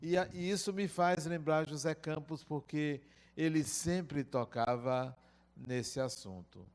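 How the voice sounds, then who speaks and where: A middle-aged man with a Brazilian Portuguese accent giving a lecture, telling personal stories in a reflective, unhurried way. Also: on the high side, darkish tone. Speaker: spiritist lecturer. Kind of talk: spoken lecture with personal anecdotes.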